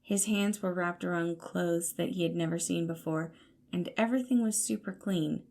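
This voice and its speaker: A woman's voice: fairly low pitch, normal speed, gravelly, a little mellow. A woman reading scripted fiction as the narrator of an audio story. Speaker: podfic narrator.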